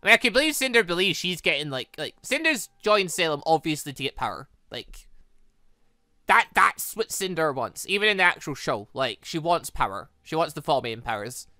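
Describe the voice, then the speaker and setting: A man hosting a gaming playthrough with casual, reactive, animated commentary. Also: fairly high pitch, normal speed, dry recording, studio quality. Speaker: gaming channel host. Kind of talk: casual let's play commentary.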